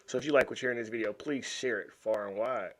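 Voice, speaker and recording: A man's voice: mid-range voice, fast, fairly bright tone. A man hosting a reaction video, talking casually and animatedly, often repeating and restarting words. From United States. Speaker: YouTube reaction host. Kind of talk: casual commentary over a video.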